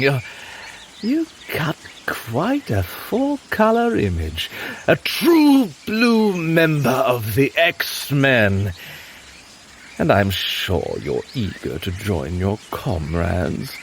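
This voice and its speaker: An actor playing a sly, grandiose, century-old mutant villain in an audio drama, with pompous, silky, drawn-out persuasion. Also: male voice, mid-range voice, wildly swooping pitch, a little hiss or hum, full character voice. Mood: gloating, tempting.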